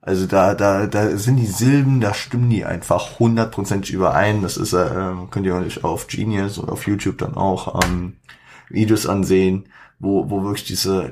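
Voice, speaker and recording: A man's voice: sits low, fairly even intonation, normal speed, a little mellow, a little hiss or hum. A man hosting a podcast, talking in casual commentary with many fillers and self-corrections and English slang mixed in. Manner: mixes English slang into speech. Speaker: podcast host.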